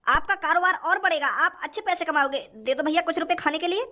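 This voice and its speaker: Pleading male beggar, squeaky and whiny, as a man voices him. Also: fast talker, sharp tone. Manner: whining, pleading.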